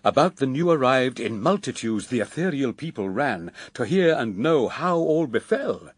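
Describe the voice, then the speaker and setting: A man as a grave poet narrator, reading epic verse in a measured, declamatory way for radio drama. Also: mid-range voice, very animated, slightly rough, no echo. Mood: solemn, stately.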